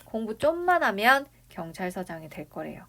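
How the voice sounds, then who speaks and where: A woman's voice: mid-range voice, big pitch swings, moderate pace, vocal fry, fairly bright tone. A woman teaching a literature lesson, explaining a novel and asking rhetorical questions. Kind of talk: classroom lecture on a novel.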